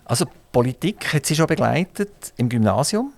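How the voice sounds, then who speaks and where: A man's voice: medium pitch, sing-song, normal speed, vocal fry, a little mellow. Male radio host, Swiss German accent, chatty, jokey interviewer. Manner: chatty, jokey, asks many follow-up questions. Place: radio studio.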